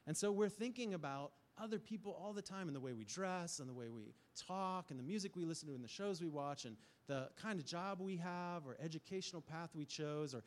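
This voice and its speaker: A middle-aged man giving a conversational sermon as pastor, telling stories with frequent fillers. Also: a little high. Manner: storytelling, animated with frequent fillers.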